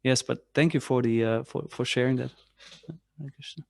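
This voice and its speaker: A man leading a class on spiritual philosophy, speaking in a halting way with many restarts and fillers. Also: medium pitch, fairly even intonation, gravelly, dry recording. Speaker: class leader. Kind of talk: spiritual lecture with discussion.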